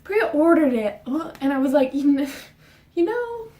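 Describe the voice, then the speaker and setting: Breathless high-voiced young woman, roomy. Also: lively intonation, warm tone, recorded from a distance. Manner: fast, rambling, with fillers and restarts. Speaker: book vlogger. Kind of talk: casual book chat. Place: her bedroom. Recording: roomy sound, voice off-mic.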